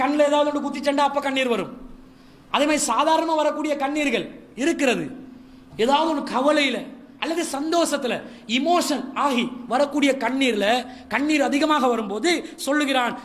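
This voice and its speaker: High-voiced Sri preacher. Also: male voice. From Sri Lanka. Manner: humorous, lively storytelling with mimicry and asides. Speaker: Islamic preacher. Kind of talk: Ramadan lecture series talk.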